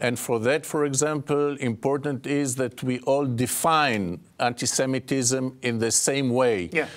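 The speaker talks at a fairly slow pace with an Israeli accent. The intonation stays fairly even over a quiet background. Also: man. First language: Hebrew. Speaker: ambassador; interview guest. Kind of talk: interview. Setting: studio. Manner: halting, many filler sounds. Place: studio. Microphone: lapel.

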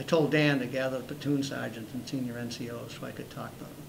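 A man with a Boston accent talks fairly quickly at a medium pitch. His intonation is monotone and flat, with noticeable background noise behind him. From US Northeast, Boston. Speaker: retired military general and author. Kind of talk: talk with audience Q&A. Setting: room with live audience, also online. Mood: sober, reflective. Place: office.

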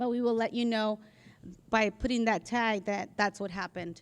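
An unremarkable speaking voice from a woman, fairly high in pitch, on a very clean recording with a silent background. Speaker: waste service company representative. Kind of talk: public presentation. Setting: community town hall meeting with audience.

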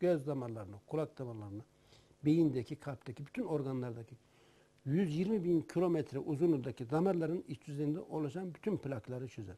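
Speech comes at a fairly quick pace. Its somewhat breathy tone carries lively intonation. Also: man. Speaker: guest. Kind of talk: interview answer. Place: studio. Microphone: lapel.

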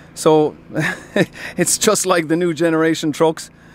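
The recording is dry with no echo as a man speaks at a moderate pace. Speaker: truck video reviewer. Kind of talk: walkaround tour commentary. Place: street. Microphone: phone near.

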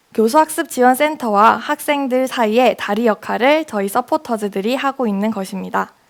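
A woman speaks at a moderate pace with a fairly high pitch. Hers is a plain, everyday voice with ordinary pitch variation. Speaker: university student. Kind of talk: prepared presentation. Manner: formal.

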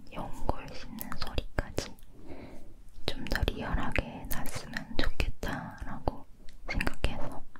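A woman whispers, soft-spoken. Her pace is very slow. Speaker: ASMR creator. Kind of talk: casual chat about making her videos. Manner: soft close-mic ASMR whisper. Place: home room. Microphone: studio mic.

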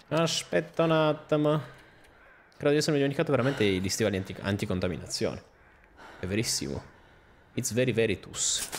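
A man at a medium pitch with vocal fry and very wide pitch swings, a fairly quick pace and long, frequent pauses. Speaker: gaming YouTuber. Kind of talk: let's play commentary. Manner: animated.

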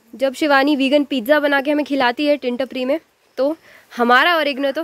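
A woman speaks in a high pitch. The sound is dry with no echo, and the background is quiet. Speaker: animal sanctuary presenter; presenter. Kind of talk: vlog update. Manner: loud. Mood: cheerful, affectionate. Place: farm. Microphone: phone near.

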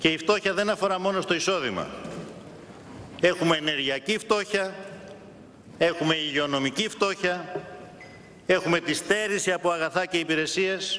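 Speaking at a moderate pace with a high pitch and fairly even intonation, the man leaves long, frequent pauses. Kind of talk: parliamentary speech. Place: hall. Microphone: podium.

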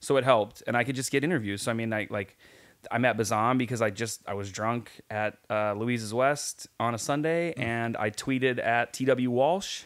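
This is a plain, everyday voice from a man with an American accent, at medium pitch. He talks at a moderate pace with ordinary pitch variation. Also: very clean recording, silent background. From Kansas / US Midwest (Kansas City area, Olathe). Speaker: podcast host and DJ. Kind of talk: casual chat. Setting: living room.

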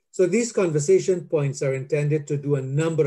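Against a quiet background, a man speaks in a dark, mellow, somewhat breathy tone with ordinary pitch variation. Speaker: church mission officer. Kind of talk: formal welcome introduction. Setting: video call. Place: home room. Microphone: video call.

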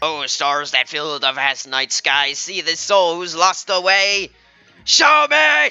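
A man's strained, high-pitched put-on character voice at a fairly slow pace. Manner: put-on, theatrical, mock-mystical.

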